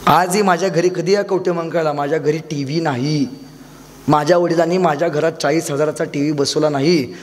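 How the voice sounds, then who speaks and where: A man's voice: on the high side, fairly even intonation, fairly quick. A young man with a Marathi accent giving an emphatic motivational speech with stories, often repeating key lines. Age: young adult. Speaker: motivational speaker. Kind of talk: public motivational speech with storytelling. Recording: long reverb of a large hall.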